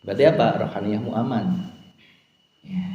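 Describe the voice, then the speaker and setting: A man preaching a lively sermon to a congregation, asking them questions as he goes. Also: mid-range voice, moderate pace, muffled recording, slight background noise. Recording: roomy hall with long reverb.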